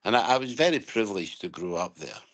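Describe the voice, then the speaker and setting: A man from Scotland speaks with a Glaswegian accent in a fairly low voice. He is an interview guest who talks conversationally and unfolds his answers as stories. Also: sing-song, fast talker, fairly bright tone. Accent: Glaswegian Scottish. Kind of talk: conversational storytelling about home and past.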